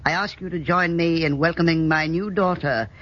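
A man's voice: fairly high pitch, normal speed, a bit bright, natural voice. A man playing a stammering, kindly middle-aged father in a 1940s radio drama. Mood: jovial. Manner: hesitant, stammering. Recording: dull lo-fi 1940s radio with faint noise.

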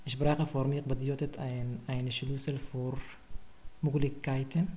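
A young Somali-accented man reads his own text slowly and haltingly as a language learner. His voice is mellow and fairly flat, with some background noise. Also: medium pitch. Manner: halting, searching learner speech. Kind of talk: reading own prepared text.

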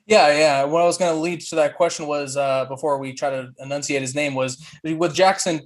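A man co-hosting a soccer podcast who talks very fast with a slightly high voice. He rambles casually, filling his sentences with ums and uhs. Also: fairly even intonation. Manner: rambling, many fillers. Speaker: podcast co-host. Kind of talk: casual sports chat.

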